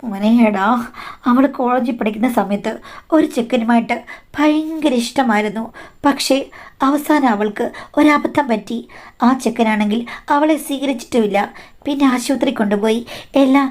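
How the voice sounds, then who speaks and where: A woman's voice: a little high, normal speed, pauses often, a little mellow, natural voice. A woman doing a tearful older mother-in-law. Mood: tearful pleading. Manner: emotional, pleading confessions.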